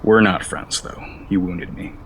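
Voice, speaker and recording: A man playing a guarded, melancholy travel companion in an audio drama, terse and deadpan. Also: deep voice, a little slow, slight background noise. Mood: melancholy, frank. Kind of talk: naturalistic audio drama acting.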